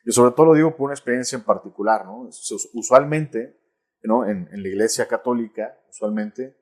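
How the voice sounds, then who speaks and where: A man's voice: mid-range voice, normal speed. A man, a Catholic priest, talking reflectively in a casual interview with many restarts and a habit of tagging "¿no?". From Mexico. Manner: reflective, frequent tag "¿no?" and restarts.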